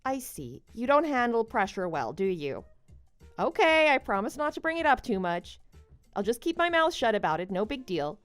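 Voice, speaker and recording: A woman performs a devoted, accommodating wife in a scripted story drama. Her voice is high and swings animatedly as she talks conversationally. The recording is dry and close. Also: big pitch swings, normal speed, clear, resonant tone, dry recording, faint music behind. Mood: supportive. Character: devoted, slightly needy wife, doubtful but accommodating.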